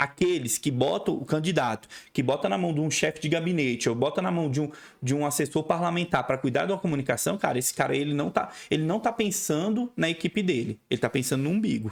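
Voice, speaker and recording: This man speaks at a very fast pace. His fairly high pitch moves with lively intonation. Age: 30s. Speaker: political marketing specialist. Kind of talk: casual interview chat. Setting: studio.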